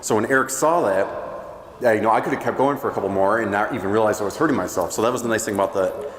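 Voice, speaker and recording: Male trainee, fast conversational interview delivery, reverberant noisy hall. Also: lowish voice. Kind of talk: casual interview chat. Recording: echoey, noisy gym with long reverb.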